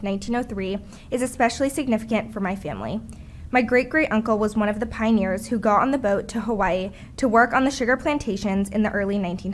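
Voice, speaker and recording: A woman's voice: mid-range voice, slight background noise. A teenage girl from Seattle reading an earnest, formal prepared statement as public comment. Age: teens.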